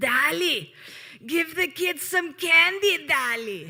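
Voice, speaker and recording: In a raspy put-on character voice, a woman speaks at a very slow pace with extremely high pitch and lively intonation. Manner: bossy, casual.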